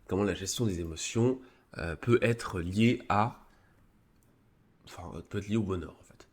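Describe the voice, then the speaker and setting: A man who has a cold, hosting a live stream, explaining a psychology article in a casual, halting way with many fillers and restarts. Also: sits low. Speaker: streamer presenting a psychology review.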